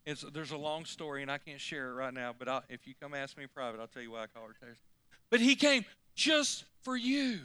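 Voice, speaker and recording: A male pastor preaching a folksy, animated sermon, often climbing suddenly to loud emphasis. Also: mid-range voice, racing, few pauses, clear, resonant tone, no room sound.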